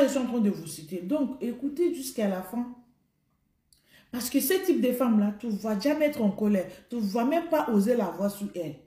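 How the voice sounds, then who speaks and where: Give me an emphatic woman doing a joking advice monologue, mellow tone, room echo behind her. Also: on the high side. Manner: emphatic, addresses listener directly, repeats points. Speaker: vlogger. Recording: roomy echo.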